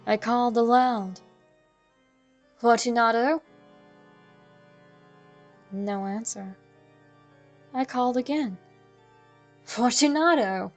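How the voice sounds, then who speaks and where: Slow, dramatic woman horror narrator. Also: on the high side, steady tone, darkish tone. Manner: slow, measured and darkly dramatic. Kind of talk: dramatic reading of a classic tale. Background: faint music.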